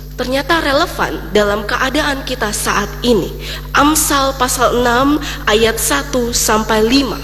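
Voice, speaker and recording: A woman's voice: high voice, a bit bright, big-room sound. A woman from Indonesia giving a Sunday sermon, often addressing the congregation and ending phrases with a questioning tag. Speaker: preacher.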